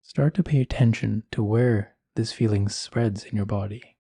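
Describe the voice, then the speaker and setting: Low, mellow, husky man guiding meditation. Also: no echo, clean studio sound. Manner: calm, soothing, unhurried with long pauses. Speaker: meditation guide. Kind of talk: guided meditation, slow scripted instruction.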